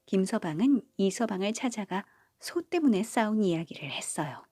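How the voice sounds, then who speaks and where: A woman reading a bedtime folk tale in a gentle, motherly storytelling manner. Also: medium pitch, lively intonation, normal speed, husky, dry recording, clean studio sound. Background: faint background music.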